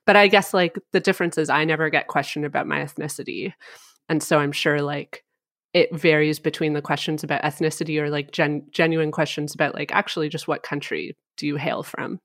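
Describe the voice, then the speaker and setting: A woman's voice: deep voice, fairly even intonation, brisk, a bit bright, dry recording, clean studio sound. A young woman hosting a podcast, asking questions in a casual, curious chat. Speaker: podcast host.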